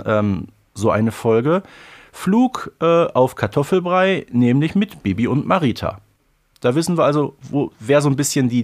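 A man in his forties co-hosts a casual podcast. He explains background and guides the conversation along, with the odd "äh" in between. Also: medium pitch. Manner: explanatory, leading the discussion. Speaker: podcast co-host.

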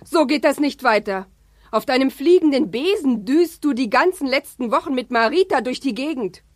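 A woman's voice: lively intonation, normal speed, dry recording, clean studio sound. A woman playing a strict schoolteacher who nags and scolds in a children's audio drama. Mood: stern, exasperated. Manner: shrill nagging reprimands.

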